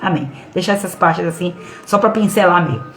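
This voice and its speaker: A middle-aged woman pastor with a Brazilian Portuguese accent delivers an expressive sermon over livestream, acting out the voices of those she quotes. Her voice sits on the low side and moves briskly, and the roomy recording carries faint music.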